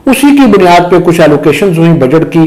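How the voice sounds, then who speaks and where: Pahari-speaking male commentator, pitched a bit high, emphatic and argumentative. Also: big pitch swings, brisk, dark tone, low-quality recording. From Azad Kashmir. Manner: emphatic, rhetorical questions. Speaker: guest commentator. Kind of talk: political discussion.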